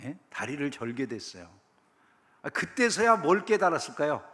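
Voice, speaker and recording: Lively conversational male preacher in a reverberant hall. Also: fairly high pitch, moderate pace. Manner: conversational, asks the congregation questions. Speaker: pastor. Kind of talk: sermon. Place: church sanctuary.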